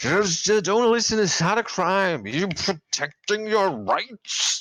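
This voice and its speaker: Shouting in a put-on character voice, the speaker holds a middle pitch and a fairly slow pace. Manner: yelling, spitting as he talks.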